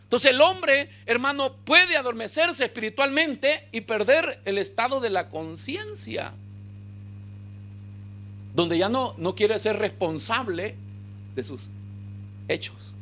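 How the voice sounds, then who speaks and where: A man delivers a lively sermon. His voice sits high and swoops widely, with a bright, sharp edge, and he rises to shouts as he acts out dialogue. A faint hum runs underneath. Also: slow pace, pauses often. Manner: animated preaching, shouting in peaks, acting out dialogue. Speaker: pastor.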